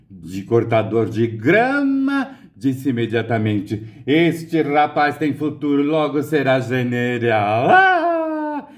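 A Brazilian man giving satirical political commentary, campy and mocking, swinging between high squeals and low mutters. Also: a little mellow. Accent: Brazilian Portuguese.

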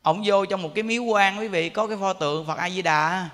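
High bright-voiced monk preaching in a hall. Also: male voice, brisk. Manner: lively storytelling, often asks the audience questions. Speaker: Buddhist monk teaching. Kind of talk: sermon. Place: temple hall. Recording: echoey hall.

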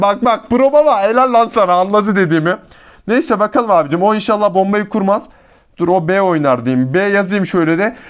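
A man giving excitable, slangy live commentary over a mobile shooter match, talking to his teammates and to his viewers. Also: high voice, dull audio. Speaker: mobile shooter gameplay YouTuber.

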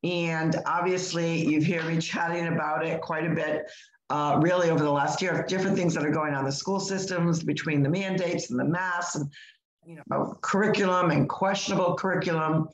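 An older woman with a hoarse voice co-hosting a live podcast, chatting in a rambling way with lots of restarts, over a video call from home. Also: low-pitched, steady tone, moderate pace, reverberant, highs cut off. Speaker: podcast co-host. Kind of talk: casual live podcast chat.

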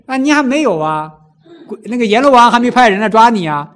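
A man with a high, lively voice preaches a Buddhist sermon. He swoops up and down through his range, fires rhetorical questions at the listeners and acts out people crying out in pain. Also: fast talker.

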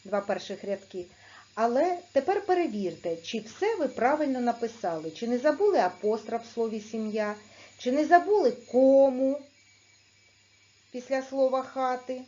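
A woman teaching a video lesson to young pupils, speaking clearly and patiently and sounding out letters and syllables. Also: high voice, expressive, mellow, muffled recording. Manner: slow, clear, patient dictation-like instruction. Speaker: primary school teacher.

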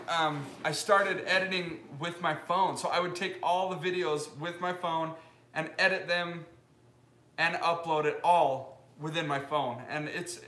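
Young man, slightly high voice, casual rambling live-stream chat, roomy wooden workshop echo. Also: sharp tone. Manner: loose, rambling, upbeat, many fillers. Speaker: live-streaming maker vlogger. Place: wooden-walled leather workshop, indoors.

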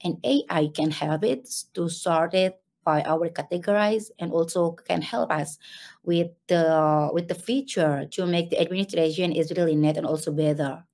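A young woman presents to an online conference from a small room, her voice sitting slightly low. She moves through her points haltingly, repeating words and restarting phrases as she goes. The sound comes through a plain webcam mic. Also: darkish tone. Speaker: conference speaker, HR manager. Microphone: webcam on a video call.

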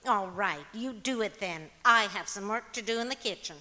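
A woman's voice: medium pitch, moderate pace, bright, forceful tone, close to an everyday voice. A woman playing a long-suffering, firm wife in an old-time radio comedy, dry and exasperated. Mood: brisk. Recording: echoey auditorium stage with long reverb.

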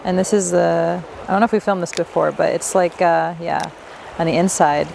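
A woman's voice: on the low side, steady tone, moderate pace, vocal fry, darkish tone. A young woman vlogging on a trip through the rainforest, chatty and playful, poking fun at herself. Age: young adult. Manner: chatty, playful, self-mocking. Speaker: travel vlogger. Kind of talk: casual travel vlog. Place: outdoors in a rainforest. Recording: noisy outdoor jungle recording. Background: insects and jungle ambience.

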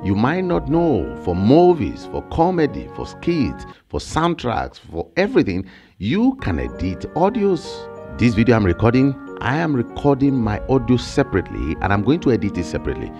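A man in his thirties with a Nigerian accent, explaining online work ideas in an energetic, emphatic way, recorded close on a studio mic in a small home studio. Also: medium pitch, moderate pace, music in the background. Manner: animated, emphatic, gestures with hands. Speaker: online income creator. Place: small home studio with shelves and plants, indoors. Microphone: large studio mic on a boom, close.

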